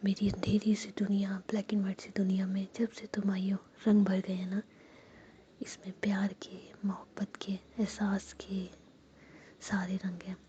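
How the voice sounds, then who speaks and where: A woman voicing a young woman who comforts her partner in a soft, coaxing whisper. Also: medium pitch, monotone, unhurried, natural voice. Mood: tender whisper. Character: young woman Jiya, tender soothing lover. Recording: dull lo-fi recording, faint noise.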